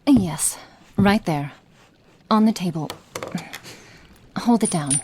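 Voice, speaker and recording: A woman's voice: mid-range voice, animated, takes it slowly, a little mellow, a little hiss or hum. A woman voicing a stern, impatient witch in an ASMR roleplay, giving curt commands and muttering whispered notes. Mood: commanding. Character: stern, impatient adult female witch experimenter. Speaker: roleplay performer.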